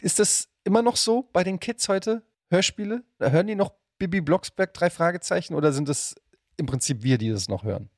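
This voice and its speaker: A man's voice: high-pitched, fairly quick, no echo. Casual male podcast host, close and dry. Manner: rambling, self-interrupting, colloquial. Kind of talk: casual interview chat.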